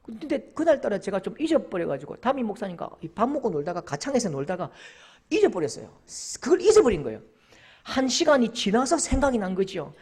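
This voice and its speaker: A middle-aged man, preaching a sermon as pastor and acting out dialogue with voices that shift between soft and loud. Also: high-pitched, very animated, quick pace, husky.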